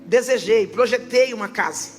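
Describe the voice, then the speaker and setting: A woman pastor giving her testimony in church, her fervent preaching swelling into loud proclaiming. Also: a little high, normal speed, faint music behind.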